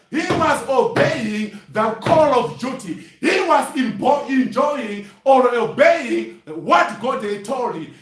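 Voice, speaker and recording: A man preaching a fiery sermon, shouting and breaking in with "hallelujah" and "glory be to God" often. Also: very high voice. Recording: echoey, from far off the mic.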